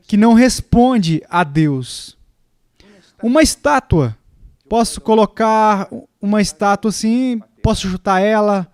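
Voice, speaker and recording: A man with a notably high voice delivers a dubbed sermon. He speaks emphatically, leaning on pauses and repeated words. The sound is close and dry. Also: darkish tone, no room sound. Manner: emphatic, with deliberate pauses and repetition. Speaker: preacher's voice in a dub.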